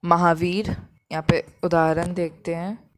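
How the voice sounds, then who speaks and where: A woman's voice: on the low side, level tone, unhurried, dry recording, faint music behind. A woman teaching a grammar lesson, patiently repeating each example and explaining it step by step.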